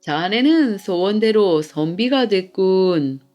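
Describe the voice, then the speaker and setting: A calm, wise immortal hermit from a children's storybook, played by a woman. He talks in a measured, old-fashioned way, very slowly, with music underneath. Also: mid-range voice, muffled recording. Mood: solemn.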